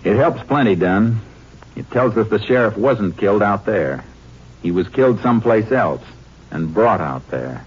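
Male actor as shrewd Texas Ranger, deep voice, matter-of-fact authority, radio detective drama, noisy clicking old recording. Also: animated, moderate pace, muffled recording, natural voice. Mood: firm. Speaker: lead actor and narrator. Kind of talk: 1950s radio western detective acting.

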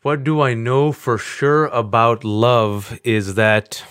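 Earnest, animated man in his forties. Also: medium pitch, slow, clean tone, no room sound, studio quality. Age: 40s. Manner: earnest, animated, self-mocking storytelling. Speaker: interview guest. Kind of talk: candid conversation.

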